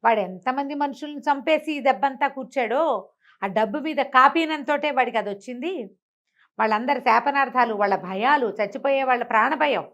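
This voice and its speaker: A woman's voice: high-pitched, moderate pace, fairly bright tone, dull audio, pitched above the performer's own voice. A woman voicing a scolding but caring village healer husband, exclaiming and admonishing in a told story. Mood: stern.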